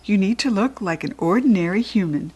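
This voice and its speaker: A woman's voice: mid-range voice, lively intonation, fairly quick, darkish tone, husky. A woman voicing a kind but firm young tooth fairy who speaks earnestly.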